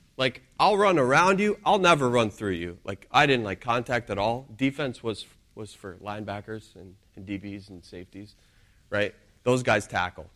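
With a plain, everyday voice, a man talks at a medium pitch and a moderate pace, his intonation lively and his loudness swinging widely. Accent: American. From New Jersey. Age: 30s. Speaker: church speaker. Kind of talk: sermon-style teaching talk.

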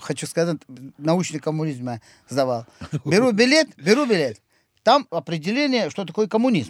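Over a very clean recording with a silent background and a dry, close sound with no echo, a man speaks at a high pitch with very wide pitch swings and long, frequent pauses. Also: moderate pace. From Tajikistan, Pamir mountains (Khorog). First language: Pamiri language (not Russian) (speaking Russian). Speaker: flight instructor, former military pilot. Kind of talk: casual chat.

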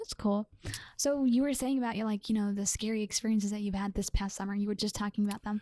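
Over a dry, close sound with no echo, a woman talks very fast in a dark, mellow tone at a fairly high pitch, her intonation fairly even. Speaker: podcast host. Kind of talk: casual interview chat.

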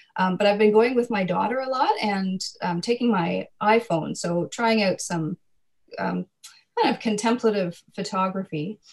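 A woman with a Canadian accent sounds somewhat breathy, speaking fairly slowly at a medium pitch with ordinary pitch variation. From Nova Scotia, Canada (Halifax). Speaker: children's book author. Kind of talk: interview conversation.

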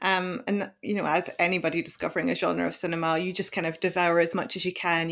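A woman with a Scottish accent, fairly low in pitch, fairly quick, with monotone, flat intonation, on a very clean recording with a silent background. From Scotland. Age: 30s. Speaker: podcast co-host. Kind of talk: casual chat. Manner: fast talker.

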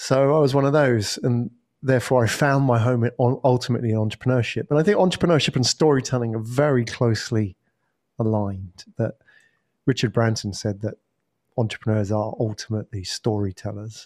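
In an English accent, a man speaks fairly quickly in a medium pitch with ordinary pitch variation, and the sound is dry and close with no echo. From England. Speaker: entrepreneur. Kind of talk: interview. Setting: remote call.

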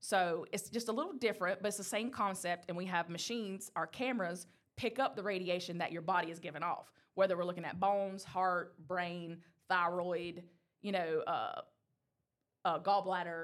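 In a Southern US accent, a woman talks at a medium pitch and moderate pace with ordinary pitch variation. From US South. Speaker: radiology technologist. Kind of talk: casual chat.

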